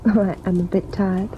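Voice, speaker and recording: An actress playing a loving, tired young wife with a soft, languid manner in an old radio drama. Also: female voice, medium pitch. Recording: dull, noisy old radio recording.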